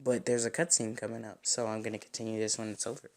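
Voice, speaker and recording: A man's voice: lowish voice, little pitch movement, quick pace, very noisy. A man giving casual, rambling and opinionated commentary on a video game as he plays. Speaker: gaming video host. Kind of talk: casual let's play commentary. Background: game music.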